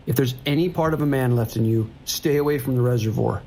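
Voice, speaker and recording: A man's voice: mid-range voice, quick pace, vocal fry, warm tone, slight background noise, lightly acted, poor audio. An actor playing an anxious, earnest male trucker who stammers in a horror radio drama. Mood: desperate pleading. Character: worried male trucker, desperate pleading family man.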